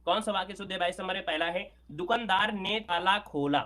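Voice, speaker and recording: A man teaching Hindi grammar for an exam, working through questions aloud, repeating words and checking that it is clear. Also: sits high, fairly quick, pushed and bright. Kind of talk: exam prep lesson.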